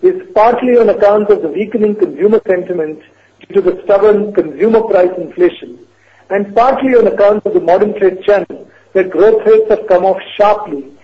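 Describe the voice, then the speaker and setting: A man making formal, deliberate remarks with some hesitations as a senior executive on an earnings call. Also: high-pitched. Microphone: conference call line. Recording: dull lo-fi conference call audio.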